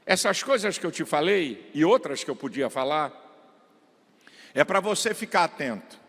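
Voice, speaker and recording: A middle-aged man preaching a fiery sermon in a large church, his high voice leaping up and down in pitch. He shouts the peaks, drops to quiet asides, and stretches out words for weight. His sound rings with a long hall reverb. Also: lively intonation, moderate pace, creaky, husky. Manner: emphatic preaching, swings from shouts to low asides; draws out words for emphasis. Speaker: pastor.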